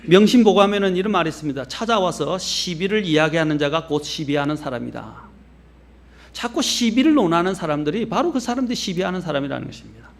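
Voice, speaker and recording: A man's voice: a little high, lively intonation, fast talker, creaky. Earnest preaching man, faint Gyeongsang accent. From Gyeongsang region, Korea. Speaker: pastor. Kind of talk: sermon.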